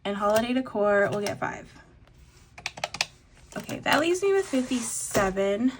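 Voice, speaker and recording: A young woman talks through her weekly budget in a loose, rambling way, pausing on fillers as she decides each amount. Her voice sounds a little congested from a lingering cough. Clear clicks and tapping sit behind her. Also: a little high, big pitch swings, noisy background. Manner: chatty, thinks aloud with many fillers. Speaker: budgeting vlogger. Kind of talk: casual voice-over while cash stuffing.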